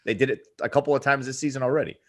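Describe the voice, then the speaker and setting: A man's voice: mid-range voice, fairly even intonation, racing. A man co-hosting a podcast, bantering loosely and playfully with casual swearing. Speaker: podcast co-host.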